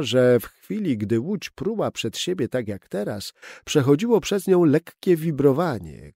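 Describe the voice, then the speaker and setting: Brief: male audiobook narrator, warm gravelly voice, dry close studio sound. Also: medium pitch, no echo. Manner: steady, expressive storytelling. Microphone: close studio mic.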